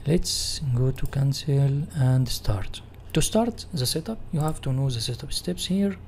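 A man with an Egyptian Arabic accent teaches in a mellow, mid-pitched voice. He reads out material and rephrases it in non-native English, like a software tutorial. There is faint noise on the recording. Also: expressive, measured pace, creaky. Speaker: instructor. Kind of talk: software tutorial reading slides and explaining.

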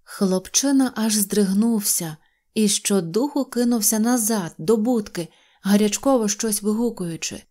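Mellow woman narrating a fairy tale. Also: medium pitch, unhurried. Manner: expressive storytelling.

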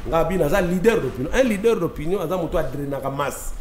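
This Congolese man talks fast and hard, pressing every point, and his voice sits a little high for a man. He mixes French and Lingala in a studio talk-show discussion. Clear noise hangs behind him in the studio. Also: animated, darkish tone, echoey room. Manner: emphatic, gesturing, mixing French and Lingala. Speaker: studio guest, opinion leader.

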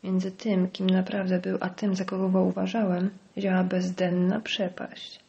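A woman narrating an audiobook in a measured, dramatic reading. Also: fairly low pitch, completely flat delivery, creaky, mellow, lo-fi sound.

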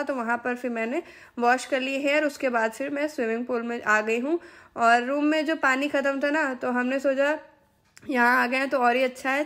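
Woman vlogger, 30s, Hindi accent, high voice, chatty step-by-step phone narration. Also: fairly bright tone. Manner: chatty, explains step by step to viewers. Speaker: family vlogger. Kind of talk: casual vlog narration.

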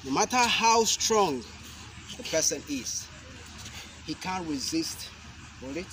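Slow-spoken young man teaching outdoors. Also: fairly high pitch, expressive. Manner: slow, deliberate explanations with sharp shouted strike cries. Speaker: self-defense instructor. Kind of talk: demonstrating self-defense moves. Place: outdoor concrete court. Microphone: camera mic at a distance. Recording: outdoor noise from a camera mic.

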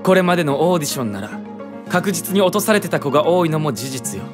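A man's voice: on the high side, big pitch swings, fast, over music. A man playing a flamboyant, sassy young stage professional with camp, feminine phrasing in a voice drama. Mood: critical. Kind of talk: anime-style voice drama acting.

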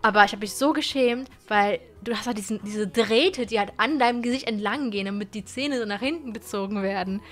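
A woman in her twenties streaming from her gaming room into a boom-arm studio mic, chatting casually and animatedly with viewers, often stumbling and repeating words. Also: a little fast, few pauses, fairly bright tone, soft background music. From Germany. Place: gaming room with colored wall lights.

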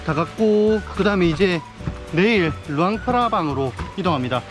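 A man's voice: high voice, moderate pace, over music. Chatty young man vlogging outdoors. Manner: chatty, upbeat, gets excited outdoors. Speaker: travel vlogger. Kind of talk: casual travel vlog. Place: outdoors by a river and a jungle waterfall. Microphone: camera held at arm's length.

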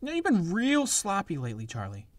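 An actor playing a tense, weary young hitman in an amateur radio drama, moving between hushed talk and shouting. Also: high-pitched, huge pitch swings, fairly quick, no room sound, clean studio sound. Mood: grim.

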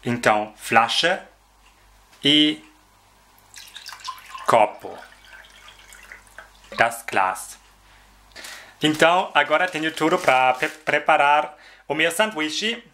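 A man teaching vocabulary in a slow, repetitive lesson, carefully pronouncing each word several times. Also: on the high side, lively intonation, sharp tone. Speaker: German language teacher.

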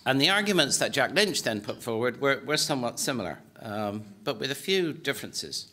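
A man in his sixties with an Irish accent, giving a formal lecture at a podium in a conference hall, measured and hesitant with many fillers. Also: medium pitch, very animated, bright, forceful tone. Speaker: political science professor giving a presentation. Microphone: podium microphone.

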